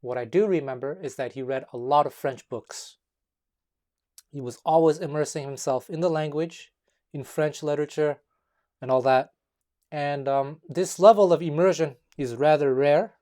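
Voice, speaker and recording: A man from Montreal whose first language is Taiwanese speaks to the camera in a measured video essay. He chooses his words carefully and often pauses on um and uh. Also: on the high side, dark tone. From Montreal, Quebec, Canada. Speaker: guitar teacher and musician.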